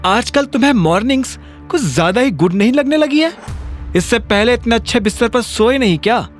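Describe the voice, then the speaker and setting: A woman's voice: lively intonation, brisk, soft background music, lightly acted. A man voicing a scornful, overprotective mother in an audio drama, wailing and exaggerating. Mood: mocking. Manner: wailing, exaggerated, high-pitched.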